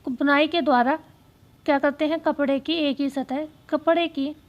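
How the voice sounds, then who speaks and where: A woman teacher going through exam questions, speaking slowly and repeating key phrases so students can write them down. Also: high-pitched, fairly even intonation, muffled recording. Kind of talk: exam-prep lesson.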